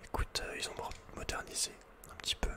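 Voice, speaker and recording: A breathy whisper carries this ASMR gaming session, where the male host chats casually and briskly, tossing in playful asides.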